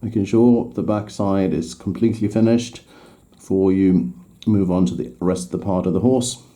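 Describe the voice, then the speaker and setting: A native Swedish speaker talks through a miniature painting tutorial in English, hesitating and stopping to correct himself as he works. His low, dark-toned voice holds fairly even intonation at a moderate pace.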